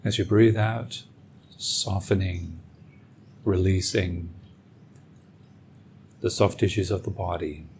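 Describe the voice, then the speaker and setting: Slow, low-voiced man guiding meditation. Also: fairly even intonation, gravelly, slight background noise. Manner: gentle, unhurried, soothing, with long pauses. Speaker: meditation teacher and podcast host. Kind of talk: guided meditation, calm instruction.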